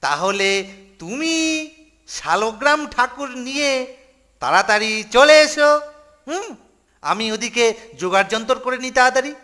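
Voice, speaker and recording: A man's voice: extremely high pitch, lively intonation, moderate pace, long pauses, bright, forceful tone, heavily acted. A man voicing a flustered, fretful older village headman in a children's cartoon, fussing and repeating himself. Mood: relieved, hurried. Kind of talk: exaggerated Bengali children's cartoon acting.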